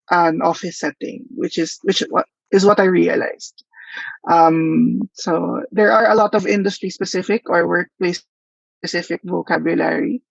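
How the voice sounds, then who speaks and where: A man giving a thoughtful, hesitant conference presentation with frequent pauses. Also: sits high, creaky, no room sound. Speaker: workshop presenter. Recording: dull lo-fi dry audio.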